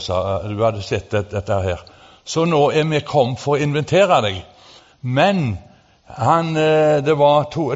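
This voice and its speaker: A man preaching, telling a personal testimony in a halting, then fervent and animated way. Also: medium pitch. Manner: animated, rising to fervent emphasis; halting with fillers and restarts. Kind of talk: sermon testimony storytelling. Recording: dull sound with long hall reverb.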